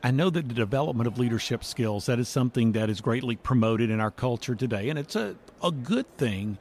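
A man's voice: mid-range voice, expressive, brisk, darkish tone, slight background noise. A man hosting a Christian radio interview show, asking long rambling questions and laughing easily.

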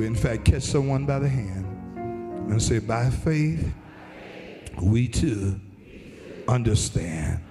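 A man with an African American accent preaching a fervent church sermon in emphatic, repeated, drawn-out phrases that can rise toward a shout. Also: mid-range voice. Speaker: pastor preaching. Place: large reverberant church hall. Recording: long hall reverb, music under the voice. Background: musical instrument playing under the preaching.

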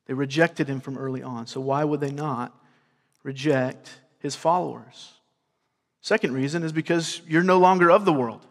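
Earnest Southern preacher in a reverberant hall. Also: male voice, a little high, moderate pace. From grew up in California and Georgia. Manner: earnest, repeats words, asks the crowd "right?". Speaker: pastor. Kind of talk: sermon.

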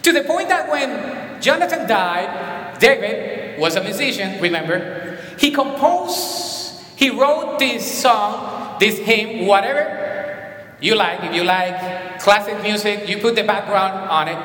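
A man with a Colombian accent preaching a sermon in an animated way, with emphatic repetitions. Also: high voice, takes it slowly. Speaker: pastor. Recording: echoey hall with long reverb.

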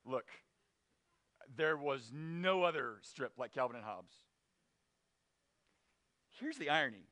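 A man preaching a sermon to his church, telling a story animatedly and dropping to a quiet, serious tone for weighty points. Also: medium pitch, expressive, takes it slowly. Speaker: pastor.

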